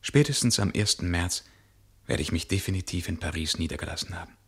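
An actor playing a brooding, observant diarist who narrates a 1960s German radio play. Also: male voice, low-pitched, a little fast, a bit bright, breathy edge, exaggerated voice.

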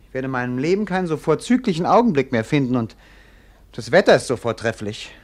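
An actor playing a melancholy, rapturous young prince in a classic German radio play, with poetic, declamatory delivery. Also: male voice, medium pitch, animated, fast, close to an everyday voice. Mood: sulky, deflated. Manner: poetic, declamatory, swinging from hushed to ecstatic.

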